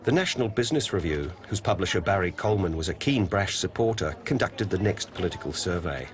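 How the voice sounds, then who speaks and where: Deep-voiced New documentary narrator. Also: male voice, expressive, fast.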